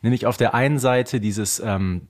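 Podcast talker: man, German accent, medium pitch, casual discussion with a knowledgeable, detail-minded manner. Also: moderate pace. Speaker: podcast co-host or guest.

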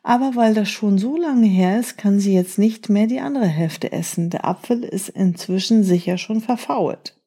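A wise old sage from a children's tale gives calm advice, voiced by a woman reader. The sound is warm and soft, with a breathy edge. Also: mid-range voice, moderate pace, few pauses.

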